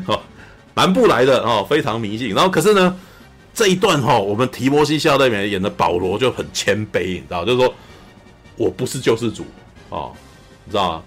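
A man talks about a film on a podcast in a casual, lively way, acting out scenes and often saying "you know". His voice is husky and sits at a medium pitch. Faint music plays behind him. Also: moderate pace. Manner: animated, acts out scenes, says "you know" a lot. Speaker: podcast co-host. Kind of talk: casual film review chat.

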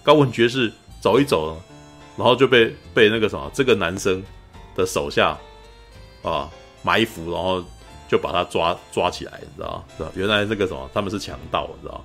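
Fast-talking podcast host. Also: male voice, low voice, soft background music. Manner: animated storyteller, keeps asking "you know?". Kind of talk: casual film review chat.

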